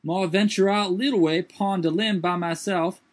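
A man's voice: high voice, steady tone, normal speed, pitched above the performer's own voice, natural voice. A man voicing a fretful old manservant, speaking in a thick old-fashioned dialect in a strained, raised voice. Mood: fearful. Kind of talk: audiobook character voice.

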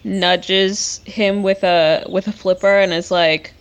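A woman player in a tabletop game, chatting casually and asking questions in an unhurried way. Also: medium pitch, steady tone, clean tone.

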